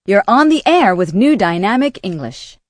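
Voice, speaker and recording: American female host; slow, clear delivery, dry close sound. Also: medium pitch, very animated, no room sound. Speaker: radio show host. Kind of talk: scripted dialogue for English learners.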